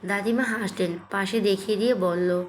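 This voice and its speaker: A woman narrating a romantic audio story in a steady storytelling delivery. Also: medium pitch, normal speed, a little hiss or hum.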